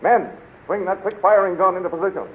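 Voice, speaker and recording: An actor playing a dashing, loyal military captain with a formal, commanding manner in a 1930s radio serial. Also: male voice, sits high, fast talker, close to an everyday voice. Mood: urgent. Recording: hissy, tinny 1930s radio recording.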